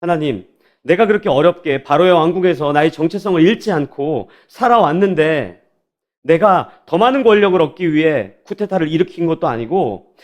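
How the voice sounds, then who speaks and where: Guy doing a grumbling old prophet pleading his case in a sermon, kinda high voice. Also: animated, moderate pace, close to an everyday voice. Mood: aggrieved. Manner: pleading, complaining. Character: older male prophet, aggrieved and questioning.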